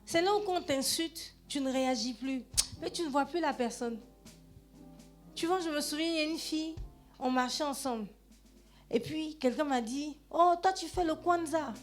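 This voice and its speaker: High-voiced woman pastor preaching conversationally. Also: moderate pace, long pauses, soft background music. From Gabon. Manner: conversational preaching, addresses listeners directly, frequent "hein" and "amen". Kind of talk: sermon. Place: church.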